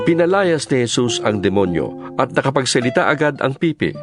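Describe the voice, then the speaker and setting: A man's voice: mid-range voice, very animated, fairly quick, over music. A man narrating scripture as a scripted, dramatized storytelling reading.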